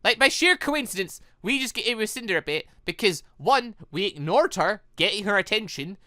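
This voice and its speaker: A gaming video host giving rambling, excited, giggly reaction commentary over a visual novel, close on the microphone. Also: medium pitch, moderate pace, dry recording.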